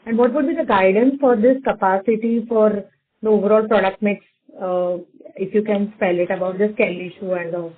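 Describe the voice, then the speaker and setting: A woman asking wordy, haltingly phrased questions as an analyst on an investor call. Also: mid-range voice, fairly even intonation. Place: conference phone call. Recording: thin phone line with faint noise.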